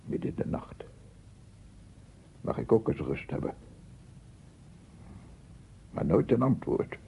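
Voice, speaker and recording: A narrow, noisy old radio play recording carries a paranoid man obsessed with sound. His voice is low and gravelly. He mutters bitterly to himself, repeats his words and swells into theatrical proclamations. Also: very animated, slow, full character voice. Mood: bitter, irritated. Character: paranoid, obsessive male amateur sound researcher, unhinged and embittered. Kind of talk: radio drama monologue.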